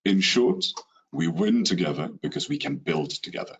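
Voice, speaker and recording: Deep husky Swedish-accented man. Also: normal speed. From Sweden. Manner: steady, rehearsed delivery with occasional "you know" fillers. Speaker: webinar presenter. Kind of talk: business presentation. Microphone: computer mic on a video call.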